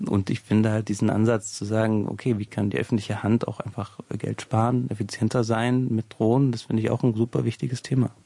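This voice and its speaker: Male expert guest, low gravelly voice, thoughtful explaining tone. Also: flat delivery, dark tone, dry recording. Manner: measured, explanatory, thinking aloud. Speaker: guest sociologist. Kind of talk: expert radio interview.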